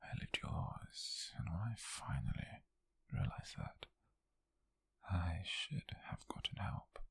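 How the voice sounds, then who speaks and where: Whispering, gravelly obsessive male captor acted by a man. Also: sits low, no room sound, heavily acted. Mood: regretful, obsessive. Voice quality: breathy, husky, gravelly whisper. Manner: slow, halting confession with sighs. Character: obsessive, lovesick male captor, pleading yet menacing. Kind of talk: intimate whispered audio roleplay monologue.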